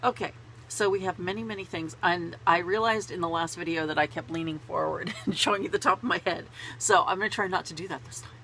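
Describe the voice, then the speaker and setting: Woman vlogger with a head cold: bright, gravelly, stuffy-nosed, rambling and laughing at herself. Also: fairly low pitch, fairly even intonation, quick pace, a little hiss or hum, low-quality recording. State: congested with a cold. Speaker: knitting vlogger. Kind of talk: casual chat to camera. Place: small home closet.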